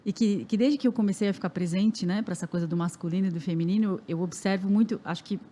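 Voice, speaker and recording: A woman in her forties hosts a podcast and talks in an animated, chatty way. Her voice sits at an ordinary middle pitch, and she often laughs and rushes ahead when a story excites her. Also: slight background noise. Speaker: podcast host. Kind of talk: conversational interview storytelling.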